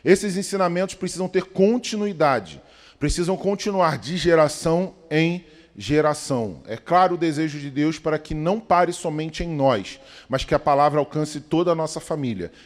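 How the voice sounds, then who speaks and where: A man pastor delivering a sermon, emphatic and rhythmic, with sudden swells and soft low drops. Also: lively intonation, moderate pace. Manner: emphatic preaching with rising calls and quiet drops. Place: church sanctuary. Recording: long church reverb.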